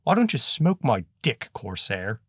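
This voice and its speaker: A man's voice: medium pitch, big pitch swings, unhurried, husky, dry recording, studio quality. Man voicing a surly Cockney teenage boy. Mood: hostile. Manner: curt, hostile. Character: surly, foul-mouthed teenage boy scholar.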